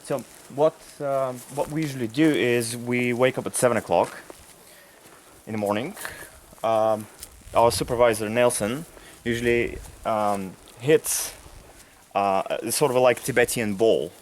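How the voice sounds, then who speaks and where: Young adult man, Bulgarian accent, mid-pitched voice, relaxed outdoor walk-and-talk with a faint rural hum behind. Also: measured pace. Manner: relaxed, with frequent fillers and restarts. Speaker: volunteer giving a tour. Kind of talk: casual explanatory tour. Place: outdoors in a rural garden and field.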